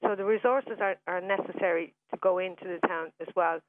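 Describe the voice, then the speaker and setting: A man speaks hesitantly as a radio guest. His raised voice comes through a thin, dry telephone line. He fills his pauses with ums and uhs. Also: high-pitched, fairly even intonation, no echo. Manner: hesitant, with fillers. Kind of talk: phone-in radio interview. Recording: tinny phone line.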